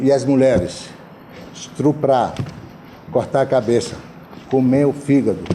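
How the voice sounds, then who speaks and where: A man speaks at a medium pitch and a fairly slow pace. Noticeable background noise and audible room echo surround his voice. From Syria. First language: Arabic (speaking Portuguese). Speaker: community representative. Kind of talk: speech. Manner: halting.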